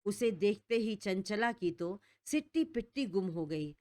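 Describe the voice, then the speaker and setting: A woman storyteller giving a scripted, expressive narration of a romance story. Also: medium pitch, unhurried, no echo.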